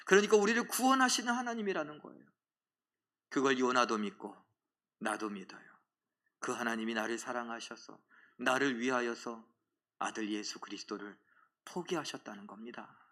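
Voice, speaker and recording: A male pastor delivering a sermon to his congregation, asking them direct questions, dropping to a hushed near-whisper and then rising to loud exhortation, and acting out a prophet's angry complaint to God. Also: mid-range voice.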